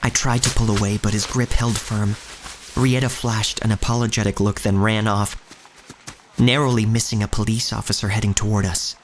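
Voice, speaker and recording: A man's voice: on the low side, level tone, normal speed, a little hiss or hum, close to an everyday voice. A man playing a wary young street thief who tells his own story as scripted audio drama narration. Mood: tense, watchful. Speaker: narrator and lead actor. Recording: music bed under the voice.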